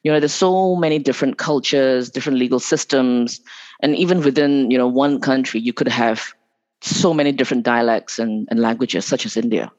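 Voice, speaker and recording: A man's voice: mid-range voice, a little fast, a little mellow. A man from Malaysia, a guest lawyer in an interview, talking casually with many restarts and fillers. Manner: hesitant, many restarts and fillers, laughs often. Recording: dull lo-fi remote audio.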